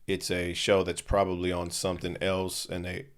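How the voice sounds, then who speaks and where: Young man, podcast co-host, low voice, relaxed slangy banter, jokey. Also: moderate pace, smooth. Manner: laid-back slangy banter, jokey asides. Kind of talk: casual chat.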